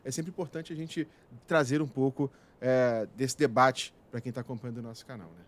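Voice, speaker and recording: A man's voice: mid-range voice, steady tone, a little fast. A man with a Brazilian Portuguese accent hosting a health videocast in a podcast studio, upbeat and jokey. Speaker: radio videocast host. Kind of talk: show host intro and questions.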